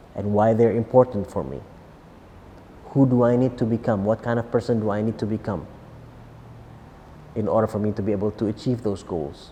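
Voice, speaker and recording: Speaking at a fairly quick pace with long, frequent pauses, a man uses a fairly low pitch and a dark, mellow tone. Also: ordinary pitch variation. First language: not English. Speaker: self-help coach. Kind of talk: motivational talk.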